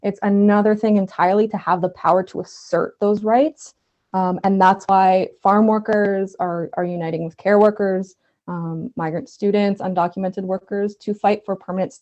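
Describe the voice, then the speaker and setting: A woman's voice: mid-range voice, fairly even intonation, moderate pace, darkish tone. A woman organizer of migrant workers, speaking on an online panel. She talks firmly as an advocate and builds her points up in lists. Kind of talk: panel discussion. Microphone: video call. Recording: dull lo-fi video call audio.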